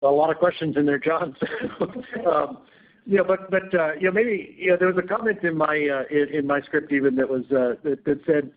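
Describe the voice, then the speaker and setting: A man speaking as a company executive, giving unscripted answers on an earnings call in a halting way, often repeating words. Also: a little high, phone-quality sound. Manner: halting, hedged, word-repeating delivery. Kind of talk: unscripted answers to analyst questions. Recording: thin band-limited conference call line.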